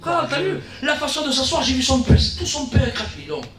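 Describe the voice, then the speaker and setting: A man with a southern French accent preaching a sermon as guest pastor, building to shouts and dropping into quieter asides, often repeating himself. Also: very high voice, big pitch swings, brisk, loud music behind the voice. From South of France. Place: church hall. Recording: echoey church, from far off.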